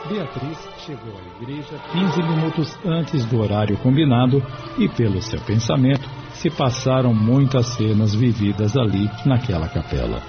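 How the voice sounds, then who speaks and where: A man narrating a spiritist radio drama in a measured, solemn reading. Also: medium pitch, lively intonation. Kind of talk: scripted audiobook narration. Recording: dull lo-fi radio recording. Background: music.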